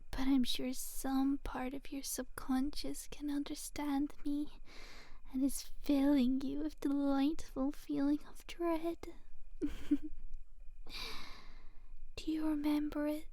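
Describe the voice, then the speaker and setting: A woman voicing a teasing but secretly gentle female demon in an intimate ASMR roleplay, with a soft, breathy, often whispered delivery. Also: high voice, no room sound. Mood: menacing, teasing.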